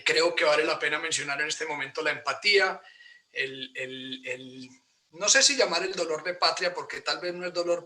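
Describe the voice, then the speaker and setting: Colombian man, Antioquian accent, forties, webinar host, bright tone, slightly high voice, polite, frequent fillers, video call. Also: rough recording. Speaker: host and real estate broker. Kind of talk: online webinar presentation.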